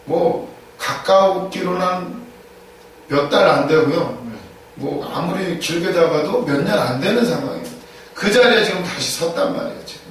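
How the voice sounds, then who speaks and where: Man preaching, slightly higher voice, emphatic repetitions, rhetorical questions, very echoey church, distant mic, faint background noise. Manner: emphatic, repeats key phrases, asks rhetorical questions. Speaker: pastor. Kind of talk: sermon.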